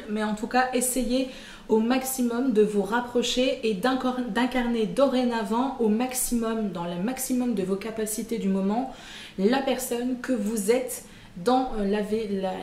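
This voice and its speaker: Speaking to her viewers in a chatty explainer on personal development, a woman peppers her talk with fillers and jokes at her own expense. Her voice is a little high yet darkish in tone. The recording has an echoey room sound and faint ambient noise.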